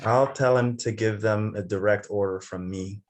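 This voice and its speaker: Crude company enforcer, male, read by an actor at a table read: lowish pitch, dry, sardonic, blunt. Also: fairly even intonation, moderate pace, slight background noise, close to an everyday voice, low-quality recording. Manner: blunt, needling. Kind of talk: dramatic script table read.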